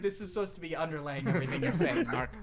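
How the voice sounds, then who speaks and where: A man co-hosting a comedy podcast in casual banter, jokey and quick with wisecracks. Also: fairly high pitch, crowd noise. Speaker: podcast co-host.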